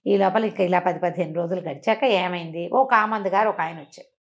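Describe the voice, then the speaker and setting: A woman telling a children's moral tale in an animated, conversational way, slipping into the characters' dialogue as she narrates. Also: on the low side, a little fast, dull audio. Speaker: storyteller.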